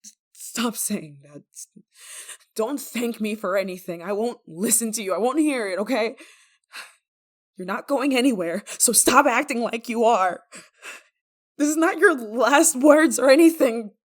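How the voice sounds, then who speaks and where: A woman acting an obsessive, guilt-ridden lover in an ASMR roleplay monologue, with halting, pleading, stammering delivery. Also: a little high. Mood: firm denial.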